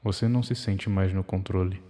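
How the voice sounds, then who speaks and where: A man reading a scripted horror story in the second person, measured and ominous, in short broken phrases. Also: deep voice, steady tone, mellow. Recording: long hall reverb.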